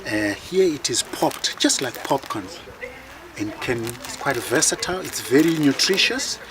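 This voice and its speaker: A man's voice: medium pitch, expressive, measured pace. A man gives an outdoor product demonstration, steadily listing nutrients and uses. He is picked up from a distance, and a crowd murmurs all around. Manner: explanatory, lists nutrients. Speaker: exhibitor presenting food products.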